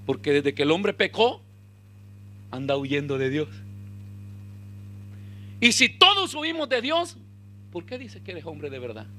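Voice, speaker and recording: A man delivers a lively sermon. His voice sits high and swoops widely, with a bright, sharp edge, and he rises to shouts as he acts out dialogue. A faint hum runs underneath. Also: measured pace, long pauses. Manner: animated preaching, shouting in peaks, acting out dialogue. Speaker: pastor.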